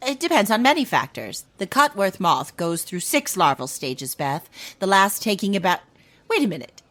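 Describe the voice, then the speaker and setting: Brief: an exacting, flustered woman scientist for radio drama; bright, husky, animated. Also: medium pitch, normal speed. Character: female scientist, precise, easily flustered.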